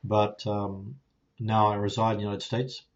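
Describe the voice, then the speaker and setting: A man's voice: lowish voice, moderate pace, muffled recording. Kiwi man rambling through viewer questions. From New Zealand. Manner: relaxed, rambling, many fillers and restarts. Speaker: YouTuber answering viewer questions. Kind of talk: casual live Q&A. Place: home studio with ring light, softboxes and plants. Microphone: phone with clip-on lapel mic.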